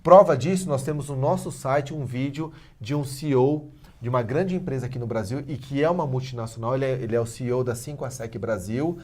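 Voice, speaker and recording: A middle-aged man speaks as a talk-show guest, animated and persuasive. His voice sits at an ordinary middle pitch. He builds his points with emphatic rises. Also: brisk. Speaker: guest, head of a language school. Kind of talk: conversational talk-show interview.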